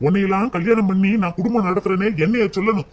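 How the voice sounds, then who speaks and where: A pleading, emotional husband in a cartoon, voiced by a man. His voice runs high for a man and he talks fast. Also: steady tone, noisy background, lightly acted. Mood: reproachful. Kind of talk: cartoon voice acting.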